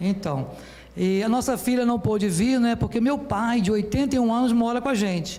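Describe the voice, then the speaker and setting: Noticeable background noise and audible room echo surround this recording. A man speaks at a moderate pace with ordinary pitch variation. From Rio de Janeiro state, Brazil (Duque de Caxias). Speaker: pastor. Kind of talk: sermon. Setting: church. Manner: casual, conversational.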